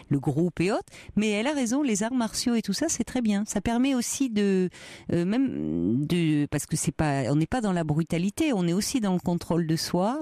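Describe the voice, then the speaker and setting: A woman from France hosting a late-night call-in advice show, calm and reassuring, with frequent hesitations. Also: fairly low pitch, dry recording, clean studio sound. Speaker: radio call-in host, advice.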